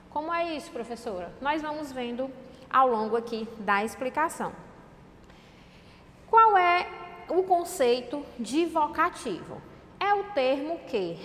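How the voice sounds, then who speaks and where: A Brazilian woman teaching a class with a high, clear voice. She explains each point patiently and keeps asking her students whether they follow. Her voice rings in a long reverb with faint noise behind it. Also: a bit bright. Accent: Brazilian Portuguese. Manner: explains step by step, often checks in with "tá certo?". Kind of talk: online class lecture.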